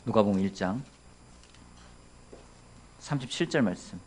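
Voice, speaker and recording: Lively Korean pastor preaching. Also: male voice, lowish voice, a little slow, a little hiss or hum. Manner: lively, asks the congregation questions, playful voices for quotes. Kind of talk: sermon. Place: church sanctuary.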